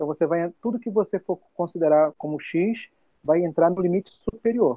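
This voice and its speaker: A high-pitched man with a Brazilian accent, moderate pace and ordinary pitch variation. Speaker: math tutor. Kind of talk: online tutoring lecture.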